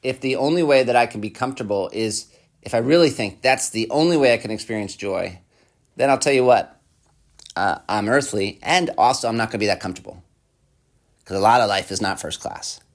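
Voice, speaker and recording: A man's voice: mid-range voice, a little fast. A man preaching a sermon in a conversational way, asking the listener repeated questions and reading quotes aloud. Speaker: pastor.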